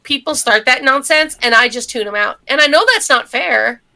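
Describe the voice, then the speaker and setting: A woman's voice: high voice, moderate pace, vocal fry, bright, forceful tone. A woman co-hosting a casual chat, blunt and exasperated, mimicking the people she mocks.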